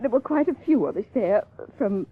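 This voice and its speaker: Faded stage actress , female performer: theatrical, lovelorn, husky and widely swooping, in a dull lo-fi radio mystery. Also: a little high, animated. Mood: tense recollection. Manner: theatrical, halting with emphatic repetition. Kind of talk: 1950s detective radio play acting. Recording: lo-fi radio drama, faint music.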